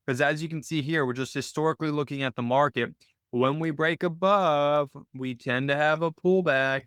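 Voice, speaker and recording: Guy hosting a casual q&a, clear smooth mid voice, explains stuff as he thinks it through, dry recording. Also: medium pitch, fairly bright tone, no room sound. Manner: conversational, explanatory, thinking aloud. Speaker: host of a trading Q&A call. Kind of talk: casual explanatory screen-share Q&A.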